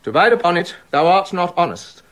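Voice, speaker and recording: A man's voice: high voice, very animated, brisk, fairly bright tone, no echo. An actor playing a jealous, brooding king in a radio drama, muttering bitter asides and building to angry accusation. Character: jealous brooding king, middle-aged man.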